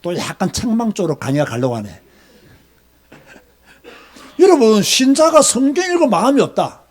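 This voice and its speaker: A man's voice: sits high, sing-song, normal speed. A middle-aged man with a Gyeongsang Korean accent, preaching as a pastor in an emphatic, scolding way, firing off rhetorical questions. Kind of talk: sermon lecture.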